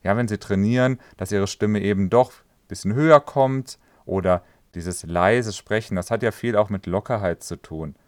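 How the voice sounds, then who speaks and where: Guy voice coach explaining stuff calmly, lowish voice, dry close sound. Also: normal speed, few pauses, no room sound. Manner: calm, instructive, addresses listener directly. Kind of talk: educational explainer on voice health.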